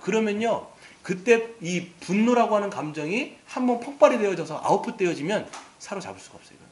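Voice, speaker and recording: A man's voice: high voice, big pitch swings, fairly quick. A male pastor preaching a sermon with emphasis, putting rhetorical questions to his congregation. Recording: roomy echo.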